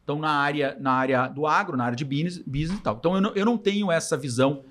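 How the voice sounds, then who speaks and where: A man's voice: on the high side, racing, a bit bright. A man with a southern Brazilian accent chatting casually as a podcast guest, slangy and anecdotal, acting out bits of imagined dialogue. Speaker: podcast guest, startup founder. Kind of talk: casual interview talk.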